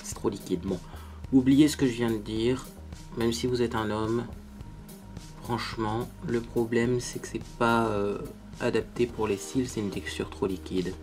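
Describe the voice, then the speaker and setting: A man's voice: medium pitch, fairly even intonation, measured pace, a little mellow, faint music behind. A man talking casually through a makeup tutorial to viewers, chatty and self-mocking, tagging his sentences with little asides. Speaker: beauty vlogger.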